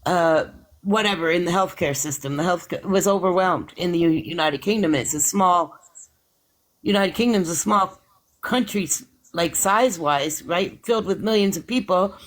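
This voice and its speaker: A man's voice: high-pitched, moderate pace, a bit bright, rough recording. Rambling man explaining in casual chat. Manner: rambling explainer, restarts and hedges often.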